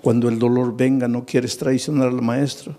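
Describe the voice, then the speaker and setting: This sermon comes from a man whose dark, mid-range voice holds a level tone at a moderate pace. He dramatizes a Bible story, voicing its dialogue himself, and puts rhetorical questions to the audience.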